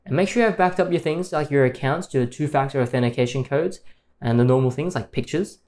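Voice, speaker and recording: A man hosting a tech tutorial, calmly explaining each step in a screen-recorded voice-over. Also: mid-range voice, fast talker.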